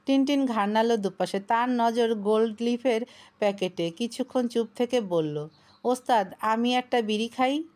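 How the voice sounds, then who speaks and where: Young woman reading a romance story. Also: on the high side. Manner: expressive storytelling. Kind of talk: scripted narration.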